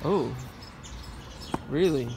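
A man's voice: fairly high pitch, expressive, very slow, gravelly, noisy background. Chatty man sorting finds outdoors. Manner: chatty, curious, appraising finds aloud. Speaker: storage locker reseller, channel host. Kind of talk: casual unboxing chat. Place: outdoors on a sunny trailer by storage units.

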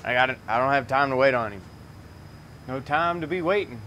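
Male mechanic, medium pitch, casual and folksy hands-on vlog delivery, some shop noise behind. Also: brisk, pushed and bright. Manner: folksy, chatty. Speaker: transmission mechanic presenting a video. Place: auto repair garage, under a lifted truck. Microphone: camera a few meters away. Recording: clear garage noise behind.

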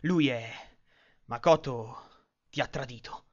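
A man in an amateur anime fan dub playing a girl-crazy, excitable teenage schoolboy, melodramatic and swinging between outbursts and hushed lines. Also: medium pitch, slow pace, natural voice. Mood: subdued, serious. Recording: dull lo-fi home recording.

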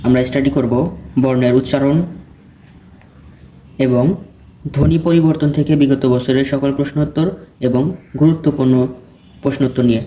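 A man teaching exam preparation, reading out quiz questions and then giving each answer in a steady question-and-answer recitation. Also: mid-range voice, normal speed, long pauses, slight background noise.

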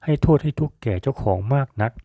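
A man narrating a folk tale about a monk in a calm, measured storytelling style. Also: no room sound.

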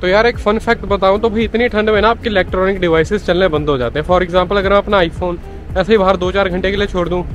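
A man's voice: sits high, quick pace, dull audio, over music. A young man chatting casually as he vlogs outdoors on a snowy city street, mixing Hindi with English and calling viewers "bhai", recorded on a handheld camera. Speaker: vlogger. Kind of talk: casual walking-tour vlog.

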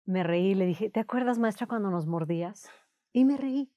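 Guest, woman, calm and measured, close dry mic. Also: mid-range voice, no echo. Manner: calm, measured, avoids swearing. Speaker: guest, therapist. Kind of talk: casual conversation.

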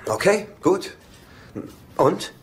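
A man's voice: sits high, big pitch swings, drawn-out words, heavily acted. An actor playing a flippant, womanizing bachelor uncle in a dubbed sitcom, glib and prone to nervous rambling. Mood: nervous babbling. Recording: noisy sitcom soundtrack with studio laughter.

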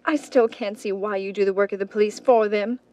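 A woman's voice: mid-range voice, steady tone, a little fast, mellow, dry recording, natural voice. A woman playing an inquisitive society sweetheart who frets over her hero, in a 1930s-style radio drama. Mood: concerned, pleading.

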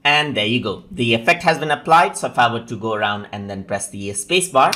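A man presenting a software tutorial as a voice-over, explaining things step by step in an instructional way. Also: medium pitch, animated, fairly quick, background noise.

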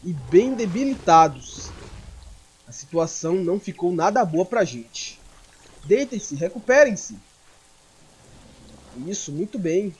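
A young Brazilian man with a Brazilian Portuguese accent, narrating a game in character as his creature, excitable and quick to shout in panic. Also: high-pitched, breathy edge. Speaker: gameplay streamer. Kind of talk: in-character gameplay commentary.

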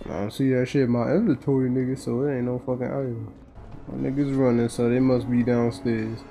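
A man's voice: mid-range voice, flat delivery, brisk, mellow. Slangy American man commentating over game music. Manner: slangy, blunt, reactive. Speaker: gaming video host. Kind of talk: casual, profane let's-play commentary.

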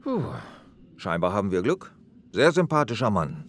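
An actor playing a jovial, wry police detective on holiday in a crime audio drama, talking in a jokey, colloquial way. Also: male voice, fairly low pitch, big pitch swings, normal speed, a little hiss or hum. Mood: chatty.

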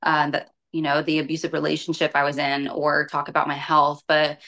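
A woman's voice: low-pitched, monotone, a little fast, pushed and bright. A young adult woman, casually telling her personal story in a conversational way, peppered with "like" and "you know". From born in Europe, grew up partly in the United States. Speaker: bikini competitor and fitness coach, podcast guest. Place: small room at home.

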